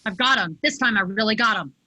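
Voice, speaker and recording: A woman playing an awkward, excitable, friendly teenage boy in a virtual table read. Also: mid-range voice, quick pace. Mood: cocky, excitable.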